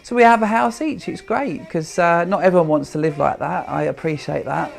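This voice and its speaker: A man's voice: fairly high pitch, fairly quick, vocal fry, music in the background. A man of thirty-five with a British accent, chatting informally and hesitantly in an interview, with old-fashioned turns of phrase. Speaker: interviewee, history enthusiast. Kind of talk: informal interview while showing his home.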